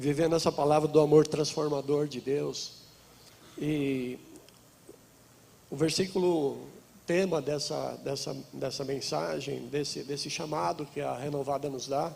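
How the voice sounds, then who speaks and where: A man speaks with fairly even intonation. He leaves long, frequent pauses. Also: fairly high pitch for a man, fairly slow pace. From Brazil, interior of São Paulo state. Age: 60s. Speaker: pastor. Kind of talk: sermon. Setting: church.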